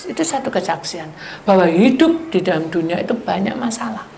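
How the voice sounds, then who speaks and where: A woman's voice: medium pitch, fairly quick, gravelly, a little hiss or hum. A woman pastor with a Javanese accent giving a sermon testimony, telling her story vividly, acting out dialogue, and speaking straight to the congregation. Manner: animated storyteller who acts out dialogue; addresses the congregation directly.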